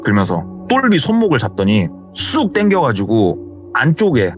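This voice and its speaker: A man's voice: mid-range voice, huge pitch swings, normal speed. A man telling a horror story in a vivid, dramatic, casual spoken retelling. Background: faint music.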